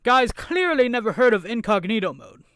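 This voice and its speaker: A man's voice: very high voice, big pitch swings, normal speed, fairly bright tone, clear, resonant tone, no echo. A man interviewing a guest, asking brief and direct questions in a friendly, casual way.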